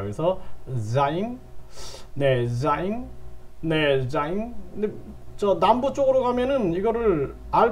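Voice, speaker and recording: An older man teaching a language lesson, patiently repeating phrases and dropping his voice low on side remarks. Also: darkish tone, slight background noise. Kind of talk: lecture with repeated drills.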